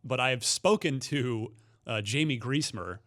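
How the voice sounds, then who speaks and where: A man hosting a casual gaming discussion, haltingly thinking aloud and repeating words as he goes. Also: medium pitch, fairly bright tone. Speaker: gaming show host.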